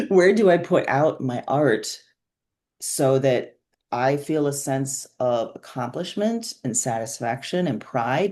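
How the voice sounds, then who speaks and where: A woman speaks at a slow, unhurried pace as a guest in a relaxed interview. Her delivery is informal and thoughtful, with a wry edge. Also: extremely low pitch. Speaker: author and podcaster, interview guest. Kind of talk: casual conversational interview.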